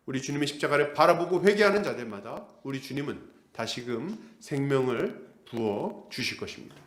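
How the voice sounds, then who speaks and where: A middle-aged male pastor preaching an expository sermon, animated and acting out the characters. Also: fairly high pitch, echoey room. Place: church hall.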